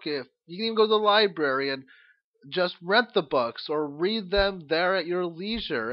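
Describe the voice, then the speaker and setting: A man giving an informal, opinionated monologue as host of an audio log, halting and rambling as he thinks aloud. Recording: dull, low-quality lo-fi audio log.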